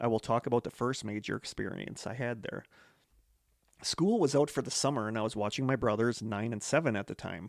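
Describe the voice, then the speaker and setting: Recorded very cleanly against a silent background, with a dry, close sound and no echo, a man speaks at a fairly quick pace and medium pitch with ordinary pitch variation. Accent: Wisconsin. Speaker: podcast co-host. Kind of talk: casual chat. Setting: studio.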